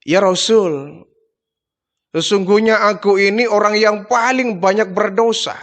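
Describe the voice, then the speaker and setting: A man's voice: high voice, unhurried, a bit bright. A man voicing a remorseful Arab chieftain who pleads urgently as he confesses his sins. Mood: remorseful pleading.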